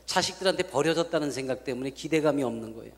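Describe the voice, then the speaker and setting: A male pastor telling a story in a sermon. He talks in an animated way and acts out the dialogue in different voices. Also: fairly high pitch, very fast, in a large hall.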